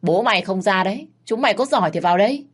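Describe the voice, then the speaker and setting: A woman voicing a defiant cheating husband who shouts taunts. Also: medium pitch, lively intonation, quick pace, slightly rough, voice pushed up.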